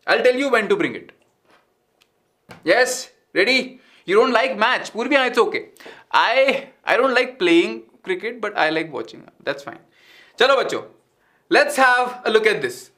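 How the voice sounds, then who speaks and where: An animated Indian teacher in his thirties runs a live online science class from a studio. His voice sits high and swings widely as he switches between Hindi and English. He keeps firing questions at his students. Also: brisk. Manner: animated, gestures while talking. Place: studio with green screen.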